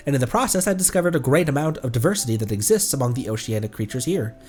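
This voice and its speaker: A man's voice: mid-range voice, animated, very fast, darkish tone, close to an everyday voice. A man voicing a polite, enthusiastic researcher from a fantasy game, chatty and courteous as he reads the dialogue aloud. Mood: friendly, earnest.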